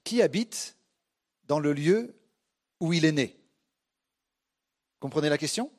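Here a French church movement leader, visiting as guest pastor, preaches slowly in a slightly high voice with lively intonation. His talk to the congregation is conversational and hesitant, with frequent direct appeals to those listening.

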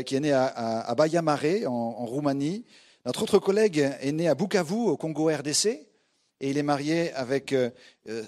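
A man's voice: fairly high pitch, a little mellow. A man from France preaching to a congregation in a conversational, hesitant way, often addressing listeners directly. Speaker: guest pastor, church movement leader. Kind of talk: sermon to a congregation.

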